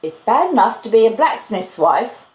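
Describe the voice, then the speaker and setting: Woman playing a shouty bullying older sister, high raised pitch, indignant scolding, storybook villainess, echoey room. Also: very animated, normal speed. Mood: aggrieved.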